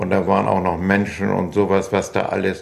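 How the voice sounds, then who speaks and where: A man's fairly low, monotone, flat voice with vocal fry and audible room echo. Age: 70s. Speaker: eyewitness interviewee. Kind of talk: interview.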